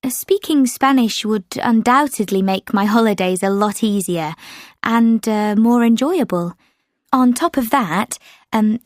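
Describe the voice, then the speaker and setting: Woman, native French speaker, steady delivery with frequent fillers, dry studio. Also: mid-range voice, no echo. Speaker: sample answer speaker. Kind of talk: scripted exam answer recording.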